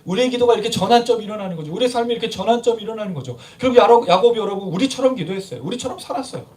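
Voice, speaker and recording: A male pastor preaches in a church with a high voice, heard from a bit away from the mic. He keeps asking the congregation questions and slips into little acted-out prayers and scoldings. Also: lively intonation, rapid-fire, a little mellow, far from the mic. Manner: conversational preaching with rhetorical questions; acts out quoted prayers and scoldings. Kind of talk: sermon. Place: church sanctuary.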